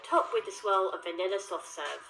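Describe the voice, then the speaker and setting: A woman's voice: mid-range voice, normal speed, vocal fry, pushed and bright. A woman narrating a food review video, tasting and describing dishes with enthusiasm. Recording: echoey with music behind.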